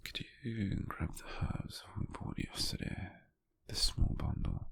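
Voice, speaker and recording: A British man playing a gentle, doting, teasing lover in an intimate, breathy, half-whispered ASMR roleplay, close to the microphone. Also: deep voice, sing-song, no echo, exaggerated voice. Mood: relaxed, warm. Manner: slow, tender, softly teasing.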